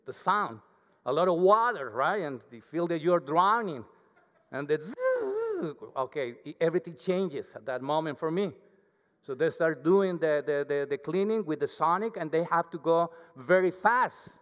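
Mexican guy preaching at church, fairly high voice, humble and chatty, long echo from the hall. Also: sing-song, unhurried, fairly bright tone. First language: Spanish. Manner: humble, self-deprecating, chatty with the congregation. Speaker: guest preacher. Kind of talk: sermon. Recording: hall reverb.

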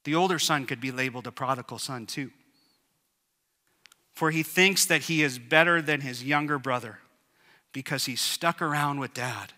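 A male pastor preaching an earnest, measured sermon. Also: mid-range voice, sharp tone, big-room sound.

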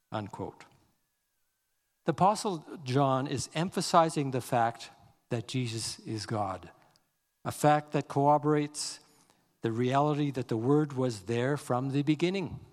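Slow, measured man preaching in a reverberant hall. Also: medium pitch, darkish tone. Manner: slow, measured delivery, reading scripture aloud with deliberate emphasis. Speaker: pastor. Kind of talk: sermon.

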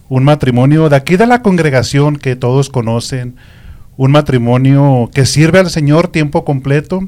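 A man's voice: medium pitch, a little mellow. Male co-host, Christian radio interview, chatty, steers the talk. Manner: talkative, affectionate, steers the interview.

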